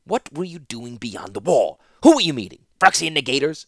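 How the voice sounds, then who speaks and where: A man's voice: medium pitch, huge pitch swings, moderate pace, creaky, no echo, clean studio sound, pitched above the performer's own voice, full character voice. A man voicing a stern, commanding older male master mage. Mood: interrogating. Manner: sharp, commanding.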